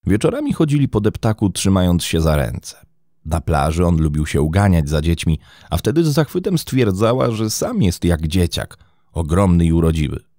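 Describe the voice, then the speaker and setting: A man's voice: very animated, normal speed, dark tone, no echo. A man narrating a scripted true-crime story in a dramatic storytelling manner, close to the mic in a studio. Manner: dramatic storytelling, wide pitch swings.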